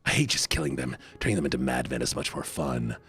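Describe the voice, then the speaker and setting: Man doing a smug villain lord, low drawl, husky, animated pitch. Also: fast, heavily acted. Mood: gloating.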